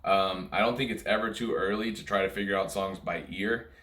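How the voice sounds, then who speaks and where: Speaking briskly in a deep, slightly bright voice with fairly even intonation, a music teacher talks informally to camera during a casual lesson. He rambles and keeps going back over his points, with echoey room sound around him.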